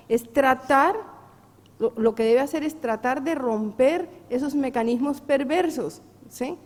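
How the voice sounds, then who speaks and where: A woman's voice: high voice, darkish tone. A woman from Latin America speaking earnestly at a round-table discussion, often seeking agreement with short questions. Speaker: panelist poet. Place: large historic hall. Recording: reverberant hall.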